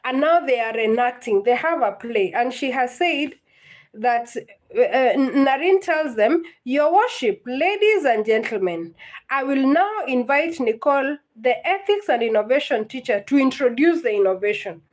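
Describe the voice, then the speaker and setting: A woman's voice: sits high, animated, a little slow. A woman, teaching literature in a live-streamed lesson, patient and repetitive, often checking whether her students understand. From Kenya.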